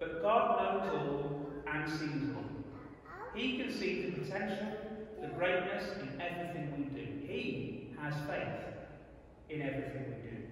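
With strong room echo and light background noise, a man speaks with long, frequent pauses. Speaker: preacher. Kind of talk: sermon. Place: church.

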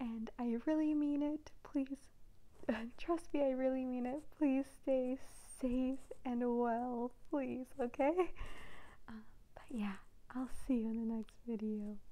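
The voice is soft-spoken and moves at a very slow pace. Long pauses come often. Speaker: vlogger. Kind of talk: casual vlog chat. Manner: soft-spoken, quiet gentle ASMR voice. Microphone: earbuds.

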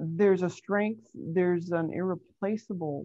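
Someone with an American accent talks at a very slow pace. The sound is dry, with no echo. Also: woman, quiet background. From United States. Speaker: book editor and therapist; facilitator. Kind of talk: panel discussion. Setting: video call. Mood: calm, reflective. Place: home room. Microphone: video call.

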